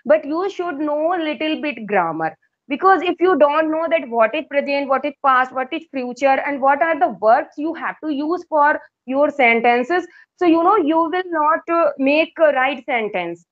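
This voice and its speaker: A woman's voice: high-pitched, lively intonation, moderate pace, dull audio. Hindi-speaking Indian woman, hesitant English. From Uttar Pradesh, India. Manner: hesitant, many fillers and restarts. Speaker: English tutor. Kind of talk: casual English conversation practice.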